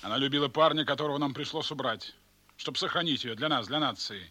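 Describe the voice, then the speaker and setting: A man's voice: medium pitch, fast, bright, forceful tone. An actor playing a cold, self-assured intelligence man in an audio drama, firm and matter-of-fact.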